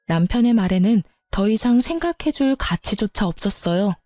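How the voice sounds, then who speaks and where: Mellow-voiced woman narrating a story. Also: medium pitch, animated, normal speed, no echo, soft background music. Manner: indignant, colloquial storytelling.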